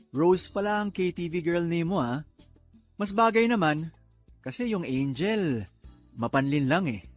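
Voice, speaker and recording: An actor playing a sleazy young bar customer who mocks and goads in a teasing radio drama style. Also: male voice, sits high, exaggerated voice. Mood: smug teasing. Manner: mocking, goading, chuckling, drawn-out teasing. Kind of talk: Tagalog radio drama acting.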